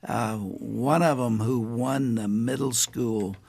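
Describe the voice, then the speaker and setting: An older man hosting a radio interview show, speaking deliberately in a studio. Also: mid-range voice, fairly even intonation, vocal fry, a little mellow, husky, no room sound. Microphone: studio microphone.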